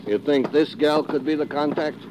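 An actor playing a dry, teasing ship's first mate with an American accent and casual slangy delivery in a 1950s radio drama. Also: male voice, a little high, moderate pace, background noise, close to an everyday voice. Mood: brisk.

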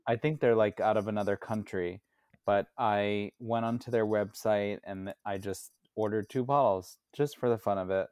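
A man with a fairly low, smooth voice chats casually as a podcast co-host. The recording is close and dry. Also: steady tone, moderate pace, darkish tone, no room sound. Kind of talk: casual chat.

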